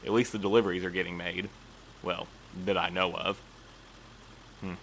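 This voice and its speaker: A man's voice: low-pitched, flat delivery, moderate pace, creaky, a bit bright, a little hiss or hum, rough recording. A man acting in an audio drama as a fussy, earnest postal supervisor who speaks in formal, precise language. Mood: fretful, muttering. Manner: formal, precise, prim wording. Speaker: voice actor in a fiction podcast.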